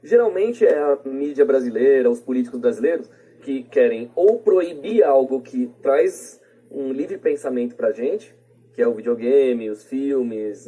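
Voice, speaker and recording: A man's voice: medium pitch, dark tone, breathy edge. A Brazilian man giving his opinions casually as a podcast guest, in a colloquial, rambling way with frequent tag questions. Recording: plain podcast voice recording.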